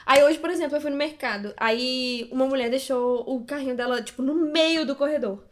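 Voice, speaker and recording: A woman's voice: sits high, fairly quick. A young woman from Brazil in casual chat, self-deprecating and acting out little dialogues as she tells stories. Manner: self-deprecating, laughs often, acts out quoted dialogue.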